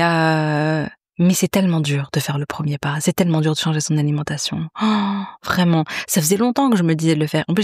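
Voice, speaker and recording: A woman's voice: deep voice, no echo, clean studio sound. A woman, hosting a podcast in a chatty, confiding way, full of fillers and restarts. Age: 30s. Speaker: podcast host. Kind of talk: casual chat.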